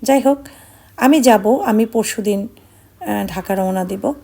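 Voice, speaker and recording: A middle-aged woman from Bangladesh narrating her vlog in a soft, subdued, reflective way, sounding sad and tired. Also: medium pitch, measured pace, vocal fry, husky. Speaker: vlogger.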